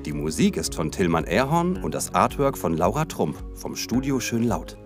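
Over background music, a podcast co-host with a lowish voice reads the scripted outro at a moderate pace. He sounds lively and upbeat as he announces.

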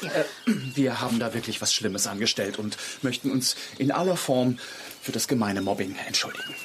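A man's voice: mid-range voice, huge pitch swings, moderate pace, noisy background. An actor playing a sheepish man making a formal apology in a German audio drama.

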